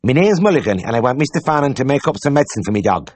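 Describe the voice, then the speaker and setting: A man voicing a solemn, hard-of-hearing older man with a rich Irish accent who speaks slowly and plainly. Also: medium pitch, big pitch swings, a little mellow, no echo, pitched above the performer's own voice.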